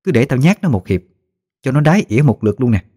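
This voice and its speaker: A man's voice: medium pitch, big pitch swings, quick pace, warm tone, husky, voice pushed up. A man voicing a fierce, foul-mouthed old woman ghost who scolds coarsely. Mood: scolding.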